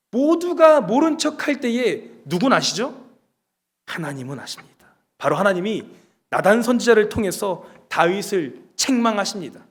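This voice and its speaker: Animated high-voiced male preacher. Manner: animated storytelling, asks the congregation questions. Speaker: pastor. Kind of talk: sermon.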